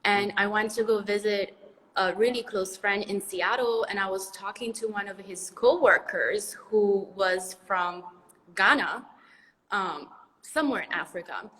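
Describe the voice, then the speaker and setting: A woman from Venezuela, talking in a slow, hesitant, thoughtful way in casual conversation. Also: medium pitch, a bit bright, big-room sound, low-quality recording.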